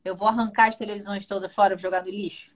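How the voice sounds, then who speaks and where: A woman's voice: mid-range voice, flat delivery, fast talker. A woman with a Brazilian accent, a guest in a casual interview who talks at length and keeps checking that the listener is following. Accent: Brazilian Portuguese.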